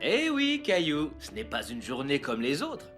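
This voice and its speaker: A cartoon father, gentle and patient with small children. He explains things with very sweeping, animated intonation, with faint music behind. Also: mid-range voice, unhurried. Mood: gentle, explaining.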